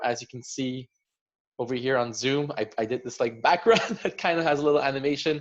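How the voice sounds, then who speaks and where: A man speaks in a normal speaking voice at a medium pitch and fairly quick pace. His pitch varies in an ordinary way, while his loudness shifts a great deal. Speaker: podcast host. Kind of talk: casual interview questions.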